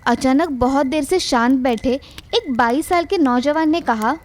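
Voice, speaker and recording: A woman narrating a village ghost story in an even, dramatic scripted reading. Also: high-pitched, unhurried.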